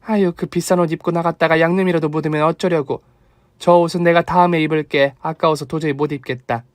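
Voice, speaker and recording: A man's voice: a little high, steady tone, fast, no room sound, studio quality, natural voice. A man voicing a thrifty, kind elderly mother-in-law who fusses and scolds affectionately. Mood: fond.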